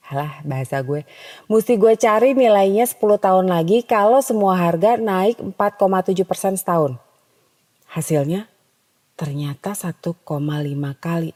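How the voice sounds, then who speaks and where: A woman's voice: lowish voice, warm tone, big-room sound. A woman hosting a scripted podcast monologue in a chatty, teasing way, dropping in English slang. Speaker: podcast host.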